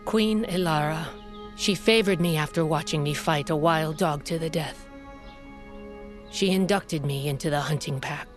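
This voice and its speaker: An actress playing a fierce, aging tribal queen and mother in an audio drama, speaking in a grave, measured way and sometimes coughing from sickness. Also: soft background music, lightly acted. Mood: grim recounting. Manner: grave, measured, low storytelling delivery. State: sickly, coughing.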